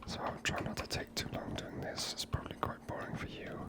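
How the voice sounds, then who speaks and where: A person giving ASMR game commentary in a soft, unvoiced whisper, gently musing aloud. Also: fairly quick. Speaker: video game player and narrator.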